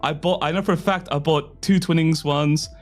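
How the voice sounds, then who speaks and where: A young man with a slightly hoarse throat, chatting casually on a live stream in a rambling, self-deprecating way. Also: a little high, fairly even intonation, moderate pace, faint music behind. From Australia.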